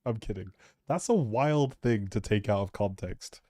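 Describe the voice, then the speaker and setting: Male streamer, soft mellow tone, casual teasing ramble, close dry mic. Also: on the low side, a little slow, dry recording. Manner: playful, teasing, thinking aloud. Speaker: live streamer.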